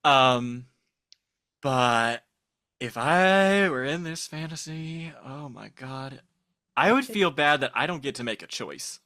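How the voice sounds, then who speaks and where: A man speaking as a podcast guest in casual chat, expressive and playful. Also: mid-range voice, slow pace, no room sound, clean studio sound.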